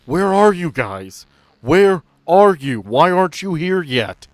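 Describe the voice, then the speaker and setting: A man's voice: high voice, big pitch swings, takes it slowly, no room sound, voice pushed up, full character voice. A man playing a frantic voice trapped below. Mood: pleading. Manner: pleading, frantic. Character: panicked trapped man calling on a ghostly radio.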